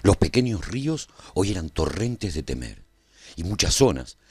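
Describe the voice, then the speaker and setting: An actor playing a tender, reflective survivor who narrates a post-apocalyptic radio serial in a measured, solemn way. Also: male voice, low-pitched, very animated, a little mellow, breathy edge, dry recording, heavily acted. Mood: grave, reflective. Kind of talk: scripted first-person narration for a radio serial.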